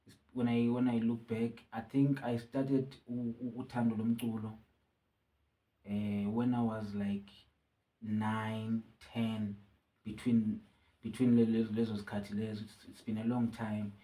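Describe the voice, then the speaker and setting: A man with a South African accent, a musician being interviewed, talking casually with frequent pauses and restarts. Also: fairly low pitch. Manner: relaxed, halting with many restarts. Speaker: musician guest. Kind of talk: casual interview, code-switching.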